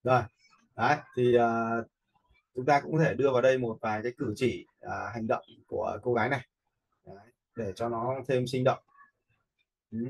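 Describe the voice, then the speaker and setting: Slightly husky man teaching casually. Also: medium pitch, fairly even intonation, normal speed, long pauses, poor audio. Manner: frequent check-in questions to learners. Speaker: instructor in animation software tutorial. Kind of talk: casual screen-share teaching, addressing learners.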